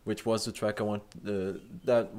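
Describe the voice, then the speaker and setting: A man's voice: fairly low pitch, flat delivery, normal speed, a little mellow, clean tone. Rambling young man hosting a casual talk. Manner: rambling, many fillers and restarts, casual swearing. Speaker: host. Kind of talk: improvised casual commentary.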